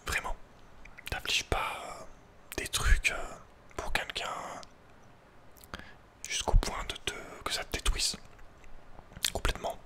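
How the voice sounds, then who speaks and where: A man whispering an informal, personal ASMR talk as host, in a hesitant, halting way. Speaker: ASMR video creator and host.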